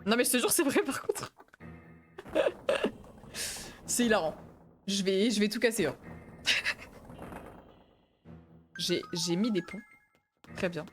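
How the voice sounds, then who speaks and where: A woman's voice: medium pitch, expressive, slow pace, pauses often, soft background music. A young woman streamer chatting casually and laughing with panicky yelps while she plays a game. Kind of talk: casual gaming stream commentary.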